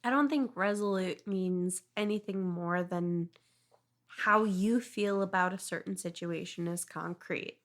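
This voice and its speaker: A woman's voice: lowish voice, measured pace, a bit bright. A woman co-hosting a podcast in a casual, chatty style. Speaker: podcast co-host. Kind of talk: casual chat.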